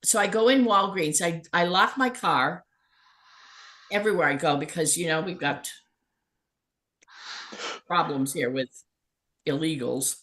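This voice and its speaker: A woman's voice: lowish voice, measured pace, pauses often. A middle-aged woman, a spiritual healer, telling a story in a casual chat with frequent laughter. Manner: animated anecdote-telling, laughs often. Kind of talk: casual storytelling on a talk show.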